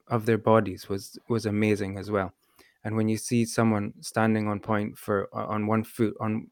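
Chatty podcast host, a lower-voiced man. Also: no echo, studio quality. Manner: chatty, many ums and restarts. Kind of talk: podcast interview and sponsor read.

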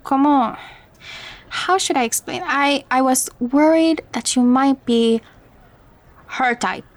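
Caring, higher-voiced motherly Latina confidante. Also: slow pace. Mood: gently worried. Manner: gentle, code-switches into Spanish. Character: caring, probing motherly Latina confidante, teasing but gentle. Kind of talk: naturalistic fiction podcast acting.

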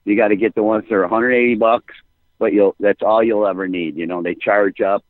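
A man's voice: on the low side, steady tone, brisk, no room sound, phone-quality sound. A man with a Chicago accent, a musician guest rambling casually in an interview, often repeating words.

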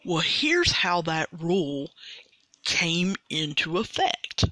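A podcast host, explaining a rule slowly and carefully in a casual monologue. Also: mid-range voice, big pitch swings, pushed and bright, no echo. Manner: slow, deliberate, careful explaining with restarts.

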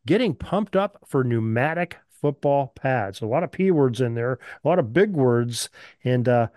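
A man's voice: mid-range voice, lively intonation, normal speed, a little mellow, no room sound, studio quality. A man hosting a football history podcast, upbeat and folksy, fond of puns as he interviews a guest. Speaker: podcast host. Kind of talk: casual interview chat.

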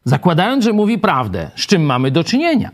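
A man teaches a Bible study group in an animated, ironic way, often turning questions back to his listeners. His voice sits a little high and swoops widely as he makes his points. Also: brisk. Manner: many fillers and "nie?" tags.

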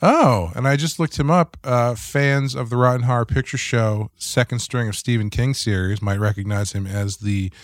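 A man's voice: mid-range voice, moderate pace, hardly any pauses, no echo, studio quality. A man co-hosting a casual podcast, chatty and jokey. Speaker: podcast co-host. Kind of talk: casual chat.

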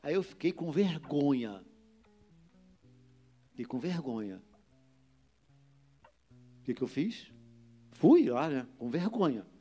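A man with a Brazilian accent, a pastor preaching a sermon and telling a lively story, acting out the people in it. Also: on the high side, slow, long pauses, faint music behind.

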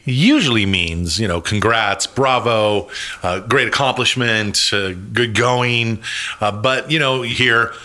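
A man's voice: mid-range voice, measured pace, sharp tone. A man co-hosting a casual podcast, joking around and laughing often. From half Italian, half Greek family. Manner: jokey, laughs often, drifts into goofy voices. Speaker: podcast co-host.

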